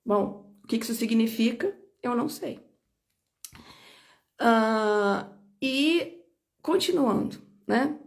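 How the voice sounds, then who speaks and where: A high-pitched woman speaks to the camera in a personal video statement. She sounds indignant and insistent, stressing and repeating her points as she lays out her side. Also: expressive, slow pace, creaky, pauses often. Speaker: lawyer recounting her own detention.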